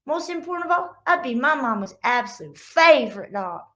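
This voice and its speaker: A woman's voice: high-pitched, big pitch swings, fairly quick, a bit bright. Woman voicing Angus, a complaining middle-child dog. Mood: longing. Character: put-upon male middle-child dog, jealous and complaining. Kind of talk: children's storybook read-aloud.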